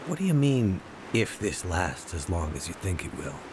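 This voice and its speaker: A weary game hero with a low, deep voice. He sounds skeptical and dry, keeping a steady, measured delivery. Clear hissing noise sits behind him. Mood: questioning. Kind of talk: naturalistic video game acting.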